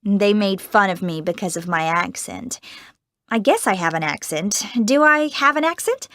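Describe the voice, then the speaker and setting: A woman's voice: medium pitch, expressive, a bit bright, no room sound, studio quality, natural voice. A woman playing a bubbly American teen actress. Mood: chatty. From United States. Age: teens. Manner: bubbly, chatty, quick to laugh. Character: cheerful teenage American girl actress. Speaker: young film actress being interviewed. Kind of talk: scripted exam-recording interview.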